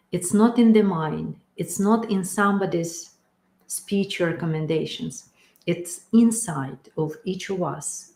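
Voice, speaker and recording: Slow, gravelly-voiced woman in an echoey room. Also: fairly low pitch. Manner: slow, calm, pausing often with fillers. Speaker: spiritual teacher. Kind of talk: guided meditation talk. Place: room in a house. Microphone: webcam or phone camera.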